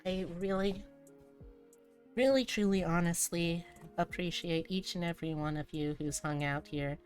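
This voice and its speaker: A woman's voice: lowish voice, fairly even intonation, normal speed, a little mellow. A woman hosting a livestream, chatting casually to her viewers in an informal, playful way with cutesy wording. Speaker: livestreamer, VTuber host. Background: background music.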